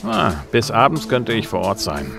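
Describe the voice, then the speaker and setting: An actor playing a self-assured, gruff bounty hunter in a science fiction radio play, dry and laconic. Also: male voice, mid-range voice, wildly swooping pitch, moderate pace. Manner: laconic, dry, noir-style. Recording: music under the voice.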